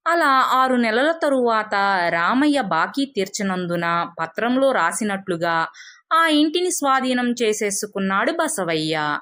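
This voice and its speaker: A woman's voice: a little high, sing-song, measured pace, fairly bright tone. A woman narrating a scripted moral folk tale as a storyteller.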